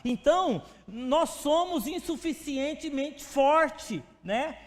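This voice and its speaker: Very high-voiced male pastor in reverberant church. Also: lively intonation, slow. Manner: conversational, addresses congregation by name; acts out stories with quoted voices. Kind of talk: sermon. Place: church sanctuary. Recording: long church hall reverb.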